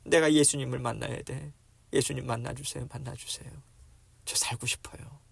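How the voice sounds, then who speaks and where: A male preacher voicing a desperate blind beggar man who cries out for mercy, pleading loudly. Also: fairly even intonation, brisk, gravelly, no room sound. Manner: pleading, crying out loud and high.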